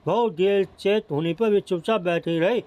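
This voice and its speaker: A man reading a Hindu devotional epic aloud as a steady recitation, often stumbling and restarting words. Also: sits high, normal speed. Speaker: scripture reader. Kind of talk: devotional scripture narration.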